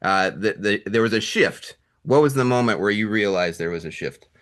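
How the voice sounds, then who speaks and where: Guy hosting a movie interview, kinda low voice, long fan-style enthusiastic questions. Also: moderate pace, fairly bright tone. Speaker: interviewer, host.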